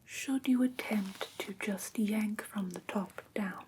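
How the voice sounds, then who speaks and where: Woman acting patient female vampire instructor, soft breathy whisper, slow formal delivery, ASMR roleplay, noticeable background noise. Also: mid-range voice, close to an everyday voice. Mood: gentle, instructive. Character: prim, patient female vampire teacher of human pet care.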